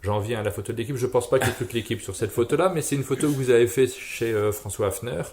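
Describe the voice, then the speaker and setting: A man's voice: medium pitch, fast talker, darkish tone, a little hiss or hum. A man hosting an interview show, asking questions and giving frequent affirmations. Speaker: podcast host.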